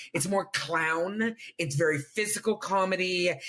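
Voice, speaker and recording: There is noticeable background noise as a woman talks in a Canadian accent. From Canada, Toronto. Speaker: stand-up comedian. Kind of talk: podcast interview. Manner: animated, many restarts and fillers.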